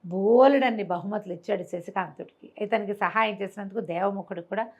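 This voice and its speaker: A woman's voice: medium pitch, brisk, gravelly. A woman with a Telugu accent telling a folk tale conversationally, explaining as she goes and acting out dialogue in her own voice. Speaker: storyteller.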